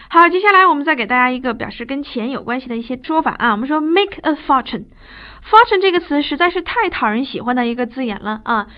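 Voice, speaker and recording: Woman ESL teacher, high voice, lecture with slow drilled phrases, dull lo-fi audio. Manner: switches between fast chatty explanation and slow drilled English phrases. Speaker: English teacher. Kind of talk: recorded classroom lecture.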